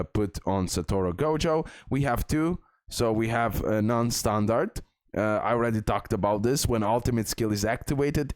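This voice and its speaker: A man's voice: fairly low pitch, no room sound. A man presenting a game guide as a video host, repeating key points for emphasis. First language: not English.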